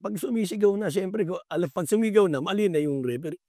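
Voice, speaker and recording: An older man, a veteran basketball referee, answering interview questions in a polite, halting way with many pauses. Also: high-pitched, dark tone, no echo, clean studio sound.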